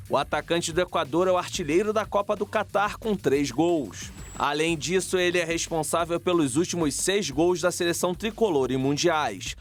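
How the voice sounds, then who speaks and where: Upbeat male sports reporter, high voice. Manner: chatty asides to viewers.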